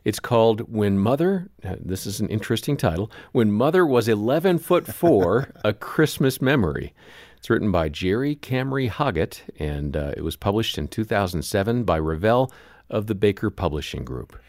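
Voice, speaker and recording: A man's voice: on the low side, big pitch swings, moderate pace, darkish tone, dry recording, clean studio sound. A mature man co-hosting a radio show in a conversational broadcast style. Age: middle-aged or older.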